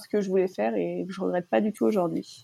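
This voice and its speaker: Dark, mellow tone at a very fast pace in a very clean recording with a silent background. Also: woman. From Savoie, France. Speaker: freelance event organizer. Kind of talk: podcast interview.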